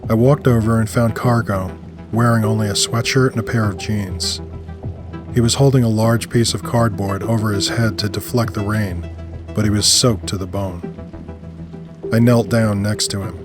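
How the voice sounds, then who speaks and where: A man with a fairly low voice narrates a first-person urban fiction story. Music plays clearly behind his scripted narration. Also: fairly even intonation, normal speed.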